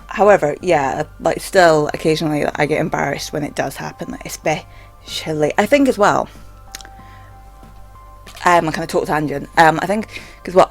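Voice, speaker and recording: A vlogger with a stammer rambling casually and hesitantly, often saying "like". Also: mid-range voice. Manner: hesitant, stammering, filler-heavy with frequent "like". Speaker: video blogger. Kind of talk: casual rambling talk to camera.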